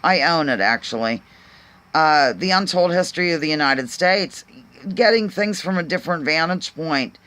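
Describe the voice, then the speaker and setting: A woman with a Pennsylvania accent muses aloud to her viewers in a bright, sharp-toned voice. She rambles and restarts often, trailing off into ums as she works through earnest questions. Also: low-pitched, animated, normal speed. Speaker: vlog host. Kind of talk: casual musing monologue to viewers.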